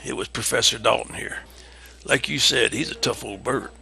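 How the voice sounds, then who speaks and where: Man playing a very creaky-voiced, mild doctor. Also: mid-range voice, moderate pace, sharp tone, exaggerated voice. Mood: good-humored. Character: mild good-humored male hospital doctor. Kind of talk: audio drama acting.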